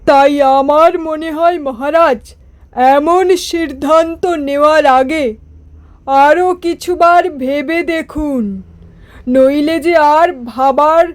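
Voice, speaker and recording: A woman acts out an earnest royal minister from a cartoon fairy tale, traditional and cautious. The voice is very high and takes its time, deferential in address but ready to argue. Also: fairly even intonation, slow. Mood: disapproving. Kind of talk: cartoon storybook acting.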